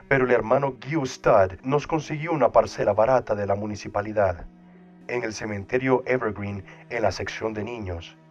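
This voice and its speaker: A man reading a first-person account aloud in a solemn, devotional manner. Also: lowish voice. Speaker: audiobook narrator. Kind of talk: scripted first-person narration. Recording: dull lo-fi sound with soft music behind. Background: soft background music.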